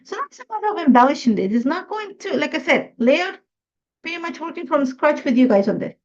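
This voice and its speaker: A woman's voice: high voice, expressive, brisk, a little mellow, lo-fi sound. A middle-aged woman from Ecuador, chatty and thinking aloud as she hosts a live scrapbooking tutorial. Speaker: craft host.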